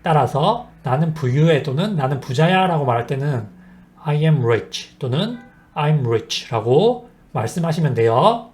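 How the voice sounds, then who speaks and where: A male English teacher whose voice rises and falls with lively intonation, sitting a little higher than most men. He explains sentence patterns step by step in a measured, scripted lesson and pauses to model each example sentence. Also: a little hiss or hum. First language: Korean.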